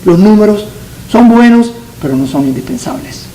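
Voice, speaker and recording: A man's voice: sits high, lively intonation, normal speed, warm tone, slight background noise, rough recording. A man born in Cuba, a pastor teaching a Sunday school Bible class, earnest and repeating key phrases for emphasis.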